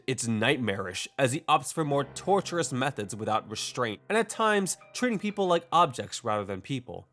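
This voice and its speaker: A man's voice: fairly high pitch, fairly bright tone. A man delivering a scripted video essay commentary in a wry, dramatic way. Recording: music bed under the voice. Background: background music.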